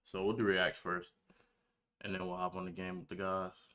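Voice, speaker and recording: A man's voice: low-pitched, flat delivery, moderate pace, pushed and bright. A nineteen-year-old man chatting casually and slangily on a livestream, laid-back as he talks to his viewers. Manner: laid-back, slangy, talking to chat while setting up. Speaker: livestreamer, gamer and reaction video creator.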